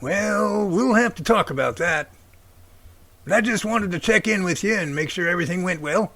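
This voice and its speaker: A man's voice: high voice, lively intonation, normal speed, gravelly, a bit bright, dry recording, exaggerated voice. A man playing a fatherly older professor in an amateur radio drama, folksy and encouraging.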